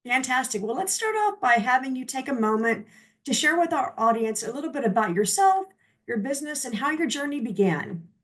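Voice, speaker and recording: A woman's voice: sits high, expressive, fairly quick, a bit bright. A woman hosting an interview show, opening with a polished, upbeat scripted introduction and then asking her guest questions. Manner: polished, upbeat presenter delivery. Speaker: host.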